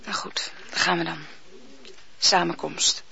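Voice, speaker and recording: A woman's voice: on the low side, fairly even intonation, a little slow, vocal fry, sharp tone, in a whisper, exaggerated voice. Grumpy lonely young woman, short and snappy, dull old radio play sound. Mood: softening. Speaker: woman giving lessons. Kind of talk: radio drama acting.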